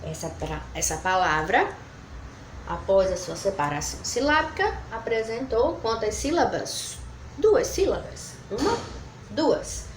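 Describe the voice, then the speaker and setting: A woman teaching a recorded review lesson to children, counting syllables slowly and using sweet diminutives. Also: a little high, sing-song. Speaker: primary school teacher. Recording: echoey room, faint background noise.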